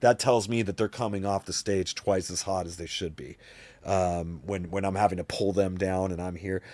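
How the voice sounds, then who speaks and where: Big swings in loudness at a moderate pace, in an American accent. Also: man, very deep, low pitch for a man. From New Jersey. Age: 50s. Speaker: guitarist and live stream host. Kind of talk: casual live stream chat. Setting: live online stream. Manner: animated.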